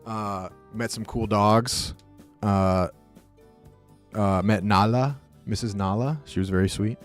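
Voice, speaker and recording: A man's voice: on the low side, steady tone, slow, soft background music. Joking, rambling male streamer. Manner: joking, rambling, reacting to chat. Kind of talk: casual live-stream chat.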